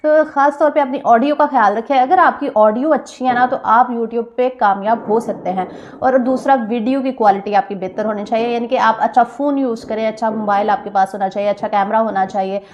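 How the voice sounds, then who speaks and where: A woman vlogger with a slightly hoarse throat, chatting casually to viewers in a small store room and repeating her points. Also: fairly high pitch, fairly even intonation, brisk, a little mellow, lo-fi sound. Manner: chatty, repeats phrases, addresses viewers directly. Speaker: vlogger giving channel tips. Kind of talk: casual vlog talk.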